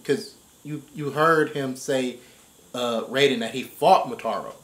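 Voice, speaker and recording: A man giving casual commentary in a discussion, explaining his points and often checking in with a quick "right?". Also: medium pitch, fairly bright tone, poor audio. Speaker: reaction show commentator. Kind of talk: casual discussion of game story.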